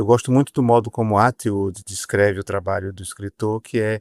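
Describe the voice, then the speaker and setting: This man talks at a moderate pace with fairly even intonation. The sound is dry and close, with no echo. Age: 60s. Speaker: writer and philosophy professor. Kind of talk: interview. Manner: hesitant, with repetitions.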